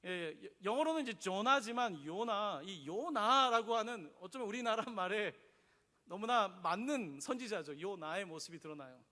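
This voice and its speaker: A man's voice: high-pitched, animated, moderate pace, pushed and bright. A man preaching a sermon as pastor, telling the story vividly and leading the congregation in reading. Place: church sanctuary. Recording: long reverb in a church hall.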